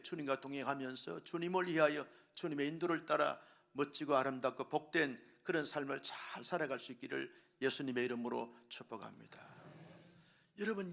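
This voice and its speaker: A middle-aged male pastor preaching a sermon, telling the story with drama and acting out the voices, swinging from hushed whispers to loud exclamations. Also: on the high side, gravelly.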